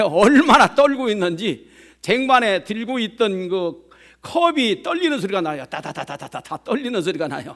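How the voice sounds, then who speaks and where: A man speaks at a moderate pace in a high voice. His pitch swings very widely, and his loudness shifts a great deal. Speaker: church district leader giving a sermon. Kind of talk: sermon with personal testimony. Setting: prayer meeting. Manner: conversational storytelling with filler sounds.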